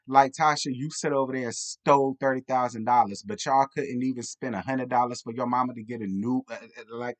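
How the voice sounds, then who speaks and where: A man's voice: mid-range voice, a bit bright. Sassy, blunt American man recapping reality TV. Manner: tipsy, rambling. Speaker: reality TV reviewer. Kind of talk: casual comedic TV recap commentary.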